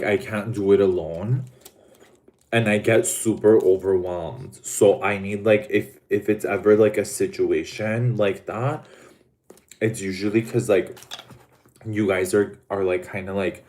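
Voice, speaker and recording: Man, livestream host, camp and dramatic, eating while talking, slow drawl, lowish voice. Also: a little mellow. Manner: dramatic, camp, drawn-out addressing of viewers. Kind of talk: casual livestream chat.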